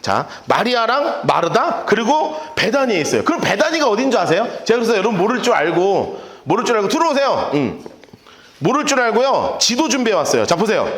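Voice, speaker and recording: A man preaching a casual, playful sermon as pastor, acting out the people in his stories with quick little voices. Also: high-pitched, sing-song, a bit bright, reverberant. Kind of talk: lively sermon. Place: church sanctuary.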